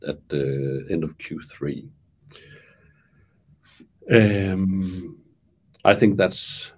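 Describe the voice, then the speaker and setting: A man presenting financial results in an investor call over video, halting with many fillers. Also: rumbling low, vocal fry, a little mellow, slightly rough. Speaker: company executive.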